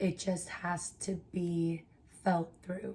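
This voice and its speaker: A woman speaks in a fairly low, somewhat breathy voice with a dark, mellow tone. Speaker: vlogger. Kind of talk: casual personal talk.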